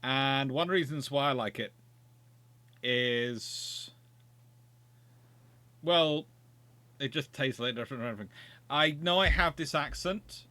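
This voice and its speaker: Playing a naval strategy game on stream, an English host with a Surrey accent keeps up casual, jokey commentary, thinking aloud and restarting as he goes. His medium-pitched voice sounds pushed and bright at a measured pace with long pauses, recorded dry.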